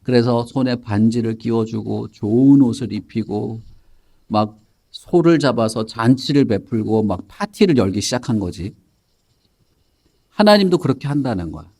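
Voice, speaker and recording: A man's voice: medium pitch, lively intonation, moderate pace, a little mellow. Man teaching a Sunday school lesson. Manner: storytelling, quizzing children by name; playful, joking. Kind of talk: Bible lesson for children.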